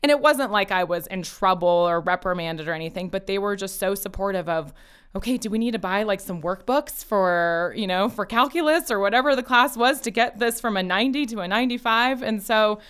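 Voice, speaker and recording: A woman's voice: medium pitch, fairly quick, a bit bright, clear, resonant tone. A woman whose first language is Farsi, a family lawyer talking casually as an interview guest, laughing easily and quoting her parents. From Colorado, USA.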